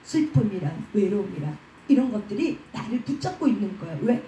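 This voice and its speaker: A woman's voice: mid-range voice, big pitch swings, a little fast, warm tone, a little hiss or hum. A woman preaching a sermon at a prayer house, asking rhetorical questions and answering them herself, and leading the congregation in repeating after her. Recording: echoey room, voice from a distant mic.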